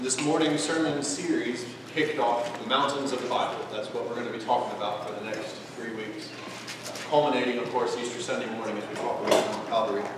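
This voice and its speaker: A man talks at a very fast pace with ordinary pitch variation. Audible room echo and loud background noise surround his voice. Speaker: preacher. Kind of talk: sermon. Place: church.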